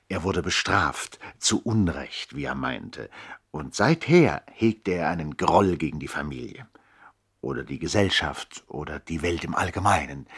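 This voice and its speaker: An actor playing a man who looks back on his childhood with his brother, narrating a literary radio play in a measured, expressive way. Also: sits low, slightly rough, heavily acted. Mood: wry reminiscence. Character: reflective adult brother recounting childhood memories.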